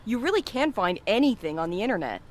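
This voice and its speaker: Actress as irreverent young woman courier, medium pitch, highly varied intonation, wry, teasing, audio drama. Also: very animated, fast talker, close to an everyday voice. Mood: playful. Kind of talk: naturalistic audio drama acting.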